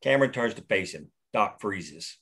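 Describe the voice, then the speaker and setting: A man reading the stage directions aloud at a script table read in a steady, plain way. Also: fairly low pitch, moderate pace, husky.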